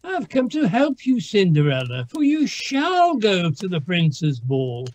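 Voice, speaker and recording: A woman's voice: fairly low pitch, wildly swooping pitch, a little slow, darkish tone, slight background noise. A woman playing a very old, bossy pantomime fairy godmother with a theatrical, tart, dry manner. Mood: grand, bossy. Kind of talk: pantomime audio acting.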